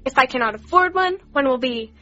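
A woman's voice: high-pitched, expressive, brisk, bright, forceful tone, muffled recording. An actress playing a flippant, sarcastic young woman being questioned by police, full of slang. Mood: snarky. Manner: sarcastic, slangy, eye-rolling. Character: flippant underage female witness, sarcastic teen. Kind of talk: radio drama acting.

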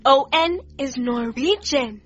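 A woman's voice: high voice, takes it slowly, a bit bright, lo-fi sound. An actress playing a flippant, slangy teenage girl being questioned as a witness. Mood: sarcastic. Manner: sarcastic, slangy, rambling. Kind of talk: audio drama acting.

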